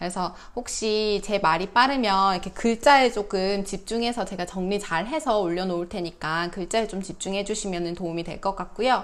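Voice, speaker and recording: A woman with an unremarkable speaking voice talks at a medium pitch with ordinary pitch variation and hardly any pauses, on a very clean recording with a silent background. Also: moderate pace. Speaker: parenting coach. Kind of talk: tutorial.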